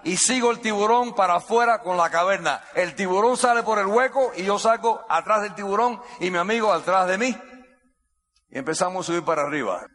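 Bright high-voiced man, echoey hall. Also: a little fast. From United States. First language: English. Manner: repeats key phrases, vivid gestures, builds suspense. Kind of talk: dramatic storytelling speech.

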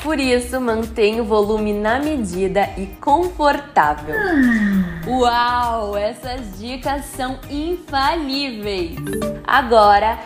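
A woman with a Brazilian Portuguese accent, hosting an educational podcast in an upbeat, didactic way with playful asides. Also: on the high side. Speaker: podcast host giving customer-service tips. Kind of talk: scripted educational podcast narration. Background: background music.

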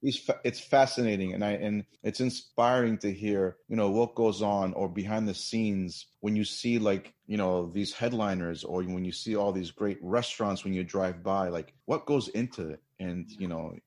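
A man's voice: lowish voice, fairly even intonation, normal speed, hardly any pauses, a little mellow. A man co-hosting a podcast, speaking in an earnest, reflective way. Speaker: podcast co-host. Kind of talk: casual podcast chat.

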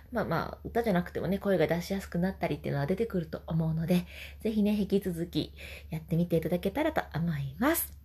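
A woman vocal trainer explaining voice exercises gently and singing short demonstrations. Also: medium pitch, vocal fry. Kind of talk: voice training lesson.

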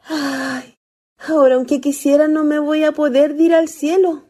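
Lovestruck ghost girl, Chilean rural speech, high mellow voice, earnest, hopeful, radio theatre. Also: little pitch movement, a little slow. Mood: anxious. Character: lovestruck young female ghost, naive country girl, stubbornly hopeful.

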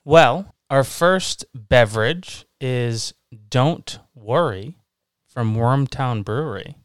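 A man's voice: mid-range voice, animated, slow pace, smooth, no room sound, clean studio sound. A man in his thirties from Massachusetts, co-hosting a casual podcast chat over beers, joking and teasing with a laugh. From Massachusetts, USA. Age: 30s. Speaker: podcast co-host.

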